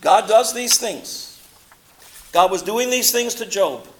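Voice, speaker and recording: High-voiced impassioned male preacher. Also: animated, slow pace, rough recording. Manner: swings between loud impassioned quotes and low quiet asides. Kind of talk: sermon.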